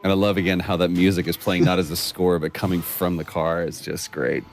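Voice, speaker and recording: Enthusiastic deep-voiced male actor. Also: level tone, brisk, vocal fry. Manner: enthusiastic, admiring. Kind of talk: developer commentary.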